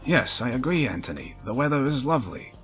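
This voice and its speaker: A man's voice: medium pitch, very animated, fairly quick, fairly bright tone, slightly rough, faint music behind, heavily acted. A man voicing a nervous debtor turned vengeful ghost in a comic story, melodramatic and strained, in broken English. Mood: nervous pleading.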